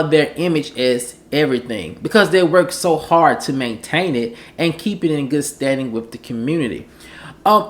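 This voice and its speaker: A gossip show host giving opinionated celebrity commentary in a conversational way with emphatic phrasing. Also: medium pitch. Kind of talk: celebrity gossip commentary, part read, part off the cuff.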